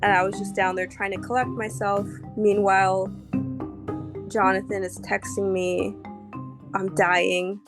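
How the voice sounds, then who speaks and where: A woman telling her own story in a casual way, with many likes and pauses. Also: mid-range voice, flat delivery, over music. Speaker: interview guest recounting her marriage. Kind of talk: personal storytelling.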